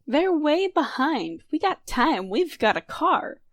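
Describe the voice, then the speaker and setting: A woman's voice: high voice, big pitch swings, takes it slowly, no echo, full character voice. A woman playing a take-charge adventurer in an audio drama, talking casually and decisively. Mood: confident. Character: brisk, take-charge female time-traveling adventurer.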